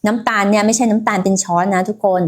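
A woman's voice: medium pitch, steady tone, racing, darkish tone. A woman hosting a casual health livestream, talking in a chatty way and speaking straight to her viewers. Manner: chatty, many fillers, addresses viewers directly.

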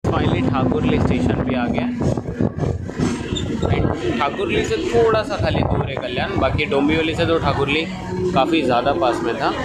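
A young man, a travel vlogger, chatting through a running commentary on a train ride, recorded on a phone held close. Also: moderate pace. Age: young adult. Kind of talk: casual travel vlog narration. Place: inside a moving train. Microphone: phone camera held close. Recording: loud train rumble and wind on the mic.

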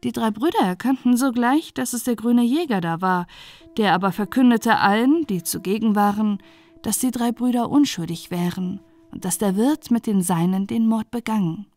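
A woman reading a dark bedtime fairy tale aloud in a calm, even narrating voice. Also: a little high, normal speed, faint music behind. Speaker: storyteller.

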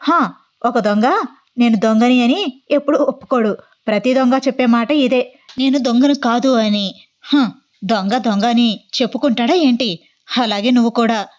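A woman's voice: fairly high pitch, darkish tone, highs cut off, lightly acted. A woman voicing a brash, arrogant young man who fires off accusing questions in a storybook reading. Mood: lecturing. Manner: bossy, rapid-fire interrogating.

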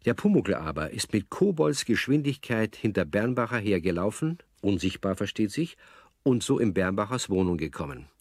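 A man narrating a children's audio play as a calm storyteller, reading scripted prose. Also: on the low side, normal speed, dry recording, clean studio sound. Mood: calm storytelling.

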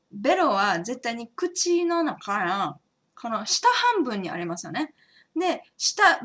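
Lively Kansai-accented woman teacher. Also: on the high side. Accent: Kansai Japanese. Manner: chatty and encouraging, laughs often. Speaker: English teacher. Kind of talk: casual spoken lesson.

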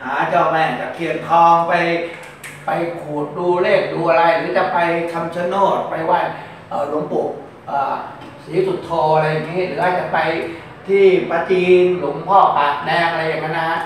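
A man's voice: a little high, steady tone, moderate pace, slight background noise. A man giving a casual fortune-telling talk. He explains at length, often repeats words, and reads out long lists of numbers. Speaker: fortune teller. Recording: very echoey room, mic far off.

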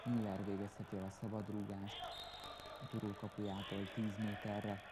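A man with a low voice commentates live on an indoor football match. He calls the play in short, clipped phrases and rises to excitement at shots. Loud hall noise runs heavily behind him. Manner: terse, names players as they get the ball. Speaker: sports commentator. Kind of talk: live Hungarian-league futsal match commentary. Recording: very noisy sports hall recording. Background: loud indoor sports hall ambience.

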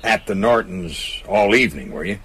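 An actor in a radio drama playing a shrewd, folksy small-town American police constable with a dryly understated, probing manner. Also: male voice, on the low side, lively intonation, moderate pace, a bit bright, slight background noise.

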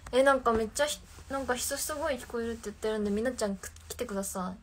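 Young woman streamer, lilt, higher voice, chatty with viewers, faint room hiss behind. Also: very fast. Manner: chatty, reacts to viewer comments. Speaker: idol livestreamer. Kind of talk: casual live stream chat. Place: her own room, alone.

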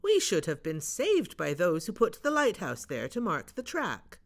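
A woman's voice: on the low side, huge pitch swings, measured pace, vocal fry, full character voice. A woman reading aloud and voicing a bold, cheerful young boy who talks eagerly and exclaims. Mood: excited.

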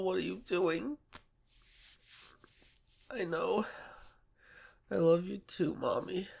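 Man acting a shy sick boyfriend, slow and congested. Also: high voice, creaky, full character voice. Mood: whiny, needy. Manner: soft, hesitant, pleading. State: sick, sore throat, stuffy nose. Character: shy submissive sick boyfriend seeking comfort. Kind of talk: ASMR boyfriend audio roleplay, improvised.

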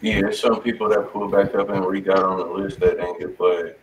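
A man's voice: sits low, level tone, fairly quick, lo-fi sound. A man hosting a music review stream in casual chat, slangy and profane. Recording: roomy, distant mic, faint noise.

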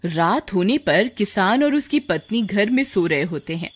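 A woman giving scripted storybook narration in an expressive storytelling manner, over loud background noise. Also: medium pitch, normal speed.

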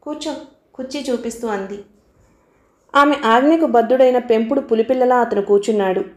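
A woman narrating a novel in a steady, even storytelling manner. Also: on the high side, brisk, echoey room. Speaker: audiobook narrator. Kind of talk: novel reading.

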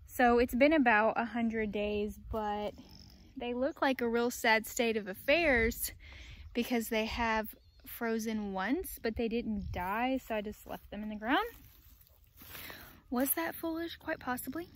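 A woman's voice: fairly high pitch, measured pace. Young woman chatting outdoors on a farm. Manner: chatty, talks to the animals in a soft baby voice. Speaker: farm vlogger. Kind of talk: casual chat. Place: outdoors on a farm among animals. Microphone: phone camera, often held at arm's length. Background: farm animals and outdoor ambience.

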